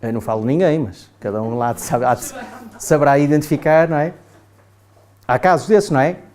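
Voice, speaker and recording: Speaking a little fast in a slightly high, darkish voice, a European Portuguese-accented man acts as a trainer in a casual classroom lecture for adults, frequently checking in with "não é?".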